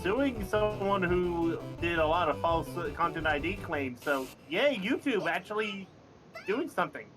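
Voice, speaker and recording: A man's voice: sits high, animated, unhurried, music in the background. A man co-hosting a podcast, chatting casually and wryly about clips he plays. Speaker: podcast co-host. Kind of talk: casual chat reacting to clips.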